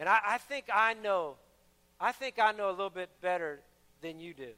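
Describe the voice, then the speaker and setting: Raised and projected, a man's high-pitched voice carries a bright, sharp tone with lively intonation at a moderate pace. The sound is dry and close, with no echo. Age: 40s. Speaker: pastor. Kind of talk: sermon.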